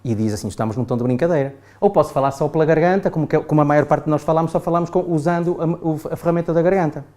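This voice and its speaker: Talking rapid-fire in a warm voice on the high side, this man delivers a chatty classroom lecture to adults as a trainer, with a European Portuguese accent and frequent "não é?" checks to the group.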